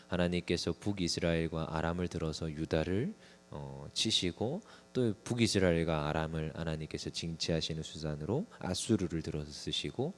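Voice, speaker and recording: A young man preaching a conversational sermon to a small congregation, acting out little scenes as he goes. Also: extremely low pitch. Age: young adult. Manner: conversational, lively sermon with acted asides to the congregation.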